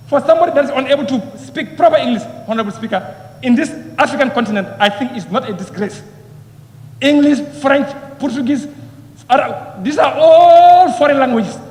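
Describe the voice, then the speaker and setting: Man, high-pitched, passionate parliament speech, echoey hall with long reverb. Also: a little fast, a little mellow. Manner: impassioned, repeats phrases, rhetorical questions. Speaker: member of parliament. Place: parliament chamber.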